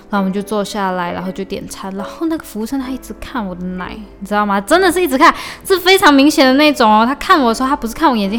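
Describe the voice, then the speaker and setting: A young woman from Malaysia, telling stories in a chatty, casual podcast diary, often restarting and mixing in English. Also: on the high side. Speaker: podcast host. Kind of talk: casual diary-style storytelling. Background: faint lo-fi beat.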